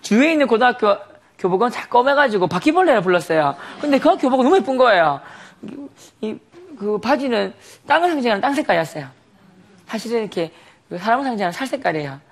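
A man's voice: extremely high pitch, very animated, fast. A man giving a sermon testimony, telling a story animatedly with frequent laughter and rhetorical questions.

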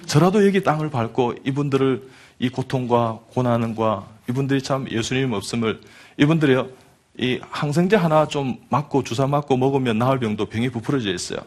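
A man's voice: medium pitch, fairly quick, a little mellow. Fervent middle-aged man preaching a testimony. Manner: emphatic, fervent, addresses listeners directly. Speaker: doctor giving a Christian testimony. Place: broadcast studio with audience.

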